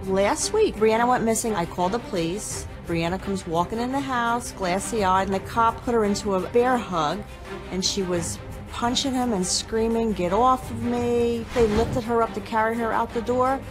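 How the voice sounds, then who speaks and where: A woman's voice: fairly high pitch, moderate pace, over music. Weary middle-aged woman telling her story. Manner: weary, matter-of-fact recounting. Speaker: guest, mother. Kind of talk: taped personal testimony. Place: indoor room, seated.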